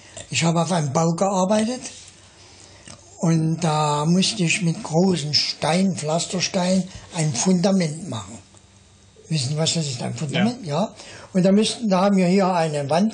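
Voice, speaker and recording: Long, frequent pauses break up the speech, which has ordinary pitch variation. Noticeable background noise runs underneath. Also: man. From Germany. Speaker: Gulag survivor, contemporary witness. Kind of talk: interview answer.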